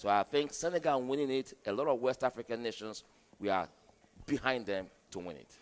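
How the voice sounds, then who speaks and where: A man at medium pitch with a Nigerian accent, fairly quick pace, lively intonation, big swings in loudness and long, frequent pauses. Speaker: football journalist. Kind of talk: radio interview. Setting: brew pub. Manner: fast; passionate.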